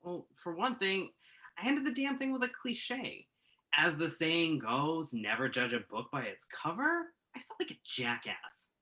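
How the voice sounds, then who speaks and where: A man's voice: on the high side, big pitch swings, measured pace, sharp tone, heavily acted. A man acting in a play reading as a self-doubting, sardonic entertainment journalist who puts himself down. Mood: self-critical.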